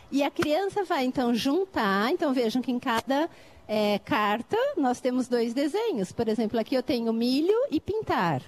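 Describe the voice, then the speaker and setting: A woman's voice: high voice, a little mellow, a little hiss or hum. A middle-aged woman from Brazil on a debate panel, explaining literacy activities and often checking whether listeners follow. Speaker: lecturer on literacy teaching.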